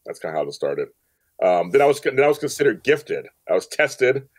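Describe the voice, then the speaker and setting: A man in his fifties with an American accent talks as an interview guest. His delivery is loose, joking and conversational, with very lively intonation and a dry, close sound. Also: mid-range voice, a little fast, no echo. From Los Angeles, United States. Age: 50s. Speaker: podcast guest. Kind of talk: casual interview chat.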